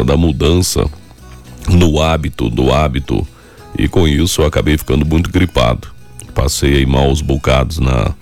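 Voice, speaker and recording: A hoarse man, hosting morning radio in a folksy, chatty way. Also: a bass voice, darkish tone. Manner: folksy, addressing listeners as friends. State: hoarse, getting over a flu. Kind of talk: chatty live radio announcing of country music. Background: faint music.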